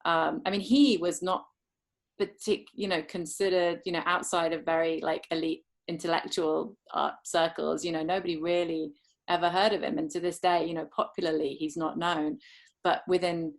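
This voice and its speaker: A low-pitched woman musing aloud about art and meaning, circling back and restarting her sentences. She sounds reflective and unhurried, as if answering a question after a talk. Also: flat delivery, gravelly. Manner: thoughtful, rambling with many restarts. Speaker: dharma speaker.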